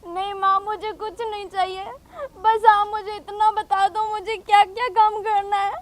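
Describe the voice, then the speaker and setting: A woman's voice: very high voice, flat delivery, normal speed, a little hiss or hum. An actress playing a mistreated young daughter in a short film drama, meek and tearful as she pleads with her stepmother.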